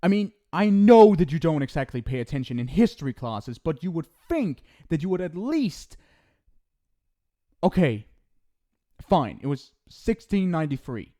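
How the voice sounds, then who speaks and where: A man's voice: a little high, very animated, normal speed, warm tone. A young man in an ASMR roleplay, scolding the listener in a teasing but caring way. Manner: scolding yet affectionate, playful teasing.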